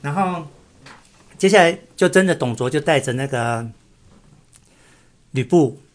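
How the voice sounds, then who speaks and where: A man, co-hosting a casual chat and animatedly retelling a classic novel. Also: a little high. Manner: animated, drops into quick acted quotes. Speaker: podcast co-host.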